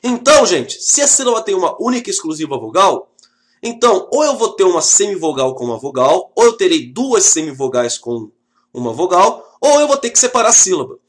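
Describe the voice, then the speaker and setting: Professor brasileiro de voz aguda e animada. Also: male voice, high voice, a little fast. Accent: Brazilian Portuguese. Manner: lively, joking, talks straight to the class. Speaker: teacher. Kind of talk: video lesson.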